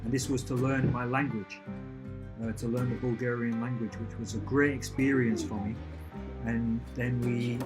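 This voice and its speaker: A man's voice: medium pitch, fairly even intonation, moderate pace, music in the background. Chatty man on a home live stream. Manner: rambling, restarts sentences, chatty and upbeat. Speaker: channel host answering live questions. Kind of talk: casual live-stream chat. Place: at home with family and a cat nearby.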